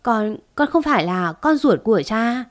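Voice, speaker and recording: A woman's voice: a little high, expressive, moderate pace, natural voice. A woman reading the part of a wounded young man who speaks with remorse and pleading. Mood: remorseful.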